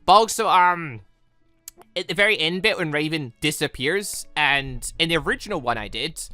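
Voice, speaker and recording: Bright, chatty gamer. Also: mid-range voice, animated, normal speed, no echo, faint music behind. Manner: chatty, rambling, self-correcting. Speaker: host of a gaming channel. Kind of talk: casual let's-play commentary.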